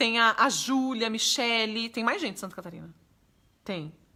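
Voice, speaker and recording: Woman with a southern Brazilian accent, raised, projected voice and bright, sharp tone. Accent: southern Brazilian (gaúcho). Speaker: newborn photography instructor. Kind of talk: live stream Q&A. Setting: live stream broadcast. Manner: casual, conversational.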